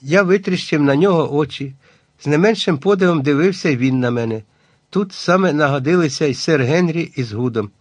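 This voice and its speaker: A man reading a first-person adventure novel aloud as scripted audiobook narration, measured and even. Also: on the high side, no room sound.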